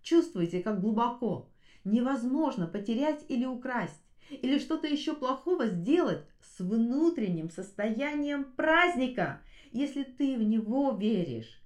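A woman with a fairly high voice speaks in a noticeably echoey space. She delivers motivational commentary like a podcast host. Her manner is earnest and emphatic, turning straight to the listener. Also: sing-song, unhurried, a little mellow.

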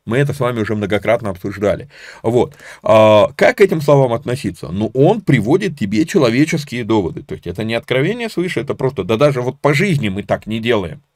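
A man's voice: mid-range voice, sing-song, fast talker, a little mellow, no echo, clean studio sound. A man hosting a live-stream Bible study, talking conversationally with many fillers and restarts. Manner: grows emphatic while expounding scripture. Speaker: Bible teacher.

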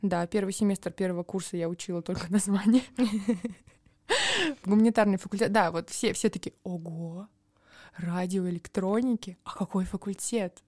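A young woman from Siberia, co-hosting a podcast and telling stories about her student years in a casual, animated way. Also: mid-range voice, normal speed, dry recording, studio quality. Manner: animated storytelling with playful impressions and laughter. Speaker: podcast co-host. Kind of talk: casual chat.

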